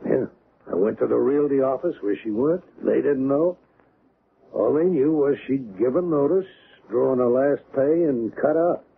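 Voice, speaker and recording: An actor playing a sober, resigned, skeptical friend in a 1970s radio drama. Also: male voice, medium pitch, expressive, a little slow, vocal fry, husky, heavily acted. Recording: narrow-band old radio, background noise.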